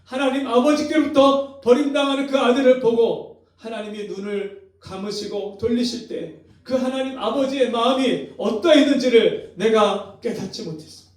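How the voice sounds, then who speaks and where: A man's voice: very high voice, normal speed, voice pushed up. A man acting out a grief-stricken middle-aged church elder, wailing and pleading in a sermon. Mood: broken repentance. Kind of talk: acted quote in a sermon. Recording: very echoey hall, mic far off.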